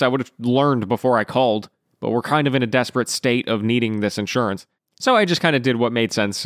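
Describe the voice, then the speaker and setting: A man hosting a gaming podcast, telling a story in a casual after-show monologue, ranting in an animated way and breaking off to apologize. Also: mid-range voice, no echo, studio quality. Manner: acts out quoted exchanges in a raised voice.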